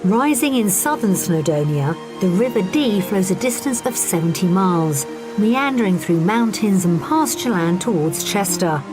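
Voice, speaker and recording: A woman presenter giving measured, informative scripted voice-over for a television property programme. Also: medium pitch, expressive, poor audio. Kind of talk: scripted TV narration. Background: background music.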